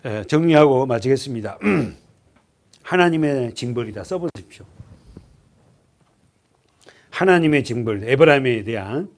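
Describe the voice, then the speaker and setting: A male pastor with a voice on the high side preaches an expository sermon in a church sanctuary. To keep it lively, he quizzes the congregation, and he drops to a hushed voice whenever the points turn grim.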